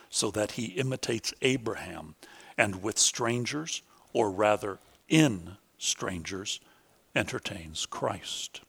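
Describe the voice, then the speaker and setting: Measured man giving a scripted lecture. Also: on the low side, vocal fry, a bit bright, husky. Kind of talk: scripted academic lecture, reading quotations.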